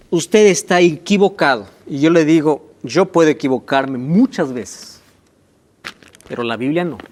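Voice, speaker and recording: Pastor guy preaching, high voice that jumps all over, stretches out the big words. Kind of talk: sermon with Bible reading.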